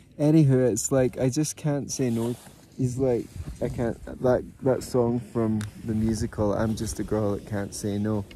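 Against light background noise, a man speaks at a fairly slow pace in a dry sound with no echo. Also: ordinary pitch variation. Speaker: podcast host. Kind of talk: casual chat. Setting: outdoors. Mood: joking, relaxed. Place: open country. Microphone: phone near.

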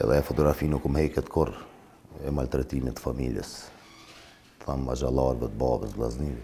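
Very deep and low in pitch, a man talks at a very fast pace with fairly even intonation. Long, frequent pauses break up his speech over light background noise. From Kosovo, Drenica region; Kosovo. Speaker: war veteran; interview guest. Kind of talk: interview. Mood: emotional war recollection. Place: studio.

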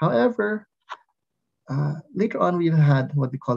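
Somewhat breathy, a man speaks at a moderate pace. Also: quiet background. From Philippines. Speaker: associate dean of engineering. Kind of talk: opening speech. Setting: webinar. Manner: formal. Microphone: webcam.

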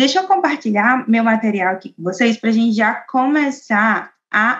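A woman's somewhat breathy, fairly high voice at a fairly slow pace, with ordinary pitch variation and a quiet background. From Brazil. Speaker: accounting teacher. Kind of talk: online class. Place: home room. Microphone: webcam.

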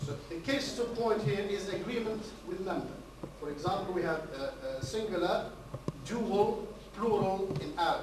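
The intonation rises and falls in a lively way. Noticeable background noise runs underneath. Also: man, high pitch for a man, moderate pace. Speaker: university lecturer. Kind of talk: conference talk.

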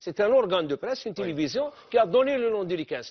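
A man speaks at a very fast pace with lively intonation and a high pitch. The background is quiet. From Algeria. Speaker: football analyst. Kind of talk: studio football debate; panel debate commentary. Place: studio. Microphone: lapel.

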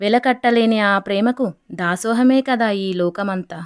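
A woman speaks in a normal speaking voice, her pitch fairly high and ordinary in its variation, on a very clean recording with a silent background. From Telangana, India. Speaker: poet; school teacher. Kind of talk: poetry reading.

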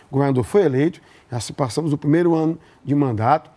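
A man with a dark, mellow tone talks at a very fast pace, his pitch varying in an ordinary way. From Brazil, Piauí (Teresina); Piauí, Brazil. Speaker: police commander. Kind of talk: TV interview. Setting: studio. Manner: formal. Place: studio.

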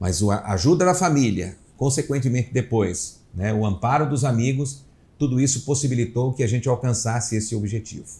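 A somewhat breathy man with a dark, mellow tone speaks at a moderate pace with ordinary pitch variation. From Brazil, São Paulo state (Santa Bárbara d'Oeste); São Paulo state, Brazil. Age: 50s. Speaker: city councillor-elect and journalist; city councillor-elect, journalist. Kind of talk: interview. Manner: hesitant, many fillers. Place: studio. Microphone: lapel.

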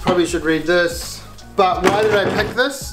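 A man at a moderate pace with faint music in the background. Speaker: tradesman tool reviewer. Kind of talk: casual tool review chat. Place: garage.

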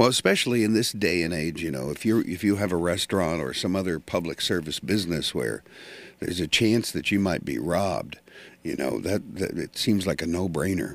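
Using a very deep, low voice with vocal fry, a man talks at a fairly quick pace with lively intonation. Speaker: radio host. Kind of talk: radio interview. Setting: studio.

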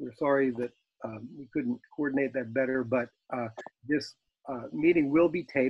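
The speech moves at a moderate pace with fairly even intonation. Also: man. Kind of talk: meeting chair announcements. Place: home room. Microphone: video call.

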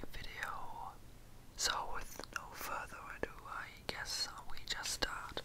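Whispering at a very slow pace, a man's voice swings widely in loudness. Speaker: ASMR creator. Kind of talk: ASMR tapping video. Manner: whispered, soft, slow. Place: home room. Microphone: studio mic.

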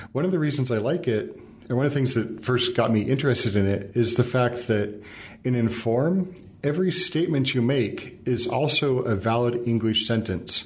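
A man with an American accent speaks at a medium pitch, somewhat breathy, with ordinary pitch variation. His loudness stays very even, and audible room echo is present. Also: moderate pace. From Idaho, US. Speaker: programmer and author. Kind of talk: interview.

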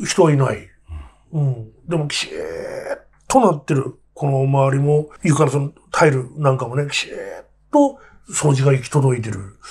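A fairly high-pitched put-on character voice from a man, delivered at a moderate speed. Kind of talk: ghost story telling. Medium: solo performance. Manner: conversational, confiding, slow build.

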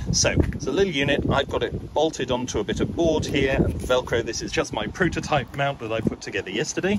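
A man speaks very fast. The sound is dry with no echo, but loud background noise is present. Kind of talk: casual vlog demonstration. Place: street. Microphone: phone near.

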